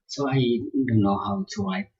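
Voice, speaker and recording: A man with husky speech who learned English as his fourth language talks slowly and haltingly, filling the gaps with fillers. The sound is dull and lo-fi, with no room echo. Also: mid-range voice, big pitch swings, darkish tone. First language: not English (English is his fourth language). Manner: hesitant, many pauses and fillers. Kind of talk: casual personal account.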